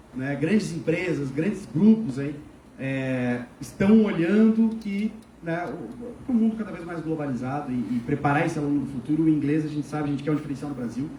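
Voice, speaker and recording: At a fairly quick pace, a man speaks with lively intonation in a fairly high pitch. Noticeable background noise and audible room echo surround him. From southern Brazil, Porto Alegre. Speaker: education program representative. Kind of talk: presentation to parents at school event. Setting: amphitheater with audience. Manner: enthusiastic.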